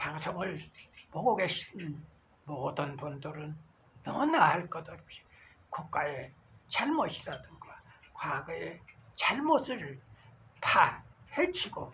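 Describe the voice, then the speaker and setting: A man speaks at a very slow pace with long, frequent pauses and big swings in loudness. Audible room echo fills the recording. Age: old. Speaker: political commentator. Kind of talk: political rant. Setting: outdoors.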